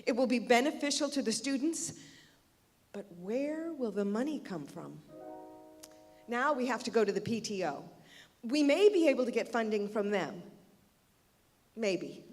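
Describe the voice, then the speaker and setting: A woman's voice: a little high, animated, a little mellow. A woman playing a persuasive, hopeful yet frustrated arts education director in an earnest, emphatic stage monologue. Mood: frustrated, wistful. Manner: earnest, emphatic, deliberate phrasing. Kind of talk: theatrical monologue, dramatic stage reading. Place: reverberant indoor hall at a live reading. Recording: echoey hall, music behind.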